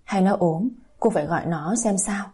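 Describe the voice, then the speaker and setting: A woman's voice: fairly low pitch, normal speed, mellow, breathy edge. Woman putting on a furious scolding village aunt. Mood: worried. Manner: scolding, harsh. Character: older village aunt, sharp-tongued and furious.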